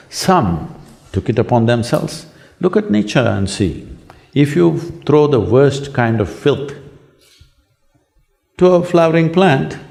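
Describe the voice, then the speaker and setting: Hoarse Indian man, rhetorical public speaker answering students. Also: a little high, a little mellow. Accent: Indian English. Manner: rhetorical, asks the audience to agree. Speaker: spiritual speaker answering questions. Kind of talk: public talk. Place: large lecture hall with an audience.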